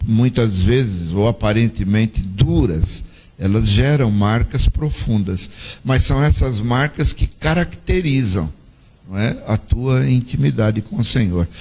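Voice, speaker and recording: A man speaks very slowly in a fairly low, somewhat breathy voice. His intonation is lively. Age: 60s. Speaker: pastor. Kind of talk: testimony.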